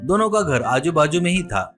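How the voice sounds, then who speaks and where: Higher-pitched, animated male storyteller. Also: normal speed, faint music behind. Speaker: narrator. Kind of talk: scripted moral story narration.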